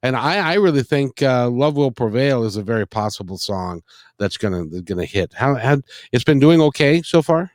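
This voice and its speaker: A man's voice: medium pitch, animated, normal speed, no room sound, studio quality. A middle-aged man hosting a casual music interview, effusive and rambling, often repeating his phrases. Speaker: interview host.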